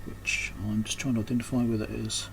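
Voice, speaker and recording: A man's voice: mid-range voice, level tone, fairly quick. A man giving casual, unscripted commentary while doing hands-on repair work, thinking aloud and often trailing off mid-thought. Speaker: electronics repairer and video host. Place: indoors at a repair workbench. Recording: clear background noise, room ambience.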